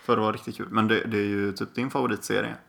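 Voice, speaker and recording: A young man chats casually as podcast co-host in a living room. His voice is low and gravelly with a bright, forward edge. He tosses off dry, laid-back remarks. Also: little pitch movement. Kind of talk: casual chat.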